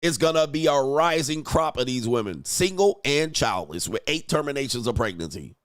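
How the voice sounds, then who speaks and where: A man with a mid-range voice and lively intonation speaks at normal speed in a studio-quality recording with no room sound. As a dating coach reacting to clips, he's brash, profane and mocking, swearing and punching words with sudden emphatic swells in provocative commentary.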